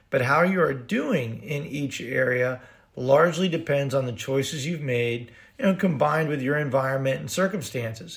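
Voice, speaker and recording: Moderate pacing, a somewhat breathy quality and ordinary pitch variation. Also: man. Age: 40s. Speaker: lay preacher and podcast host. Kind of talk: bible teaching.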